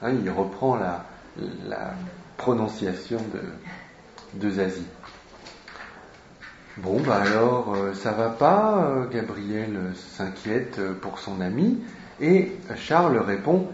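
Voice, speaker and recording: A man teaching literature, walking through a novel page by page and pausing often to find his words. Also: lowish voice, animated, slight background noise. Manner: slow and deliberate, with frequent hesitations. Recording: roomy, dull lo-fi recording.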